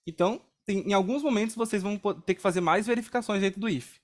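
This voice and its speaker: A young man with a Brazilian Portuguese accent leads an online programming class. His voice sits high for a man. He talks casually and explains each step, often pausing to ask whether students are following. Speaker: programming instructor. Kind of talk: live coding class.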